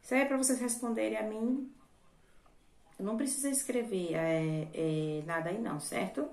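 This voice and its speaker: A woman's voice: mid-range voice, fairly even intonation, normal speed, creaky, a little mellow, reverberant. A woman teacher from Brazil, patiently explaining a lesson to children and often checking in with them. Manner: patient, repetitive, checks in with "certo?". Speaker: primary school teacher. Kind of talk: recorded remote lesson for children.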